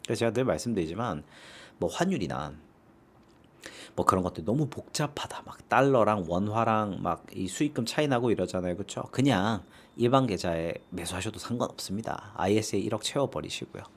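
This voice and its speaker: A man's voice: on the low side, expressive, brisk. A man with a sore throat, hosting an investing channel and answering viewer comments in a casual, conversational way, often adding rhetorical tag questions.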